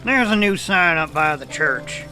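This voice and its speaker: A man performs a rural Southern man with a secret monstrous side in an audio drama. His voice is forceful, very bright and a little high. He drawls in a folksy way and muddles his words. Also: lively intonation, a little slow, soft background music, heavily acted, poor audio. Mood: folksy, nostalgic. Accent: American South.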